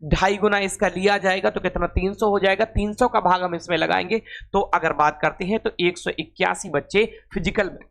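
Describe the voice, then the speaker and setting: A man's voice: high voice, fairly even intonation, fairly quick, creaky, fairly bright tone. A man teaching an informal exam-prep class, repeating phrases and asking questions that he then answers himself.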